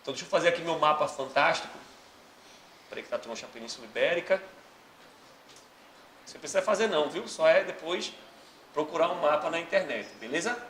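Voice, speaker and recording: A high-pitched man teaches a class, turning it into a lively, animated story. He acts out every voice in it, and there is a faint noise behind him. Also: a little fast, long pauses. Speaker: history teacher. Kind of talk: classroom lecture with comic anecdote.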